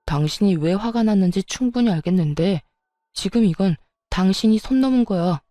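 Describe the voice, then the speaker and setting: A woman's voice: medium pitch, expressive, normal speed, warm tone, no echo, studio quality, soft background music, close to an everyday voice. A woman voicing an exasperated husband in his thirties who talks in a flustered, scolding way in a storytelling audio drama.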